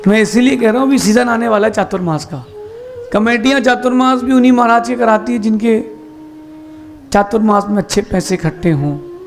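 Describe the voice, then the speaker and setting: A man, a Jain monk, giving a sermon with slow emphatic explanations and rhetorical questions. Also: high-pitched, soft background music.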